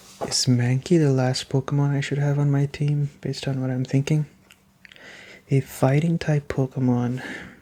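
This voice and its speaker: A soft-spoken voice talks at a moderate pace. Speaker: ASMR gaming streamer. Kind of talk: gameplay commentary.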